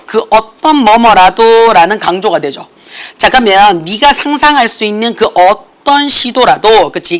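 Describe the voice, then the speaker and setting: Lively woman lecturing. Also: mid-range voice. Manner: lively, asks students constant check questions. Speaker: English academy instructor. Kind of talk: classroom lecture.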